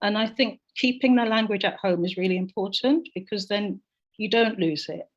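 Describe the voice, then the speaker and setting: Woman, Jamaican, mid-pitched, reflective, muffled call audio. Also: normal speed. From London, England. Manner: reflective, personal storytelling. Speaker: panelist. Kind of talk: online panel discussion.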